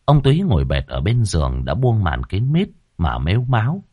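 A man, narrating a folksy ghost story in a lively, colloquial way. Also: lowish voice, normal speed, slightly rough, dry recording, narrow, tinny audio.

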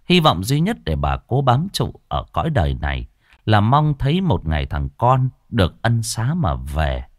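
A man narrating a horror story in a dramatic, expressive way. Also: sits low, no room sound, clean studio sound.

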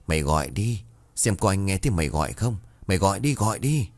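A man voicing a vengeful ghost woman who shouts threats. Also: low-pitched, sing-song, fast talker. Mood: menacing.

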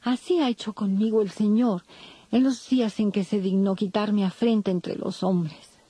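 A woman's voice: mid-range voice, fairly even intonation, normal speed, warm tone, husky, no echo, lightly acted. An actress playing a devout, grateful older expectant woman in reverent, declamatory dramatized scripture. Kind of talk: dramatized scripture audio acting.

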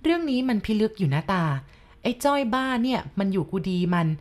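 A woman's voice: on the high side, very animated, brisk, darkish tone, pitched above the performer's own voice. A woman voicing an anxious young village woman who speaks fretfully.

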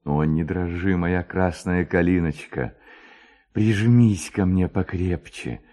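A man's voice: deep voice, slow pace, warm tone. A man voicing an ardent, proud young Cossack lad, pleading with theatrical tenderness in a storybook reading. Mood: tender.

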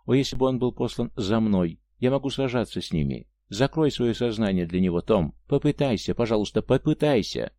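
Усталая решительная молодая женщина, которую читает мужчина, слабый приглушённый голос, низкий тон. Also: male voice, lowish voice, animated, a little fast, hardly any pauses, no echo. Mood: weary resolve. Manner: weak, hushed speech. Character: weary but resolute young woman fighter. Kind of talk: audiobook character voice.

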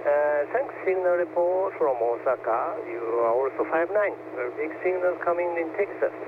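Guy w/ japanese accent answering on shortwave radio, phone-thin sound, loud static. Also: a little high, expressive. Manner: measured, formal call-sign phrasing. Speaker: radio show director answering a demo call. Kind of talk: scripted ham radio exchange in English. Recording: tinny radio band with static.

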